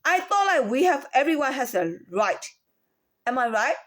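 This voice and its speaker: A former store employee, a woman with a Chinese accent and a fairly high, somewhat bright, sing-song voice, recounts her own workplace complaint. She speaks haltingly, restarting phrases, repeating words and pausing often for rhetorical questions.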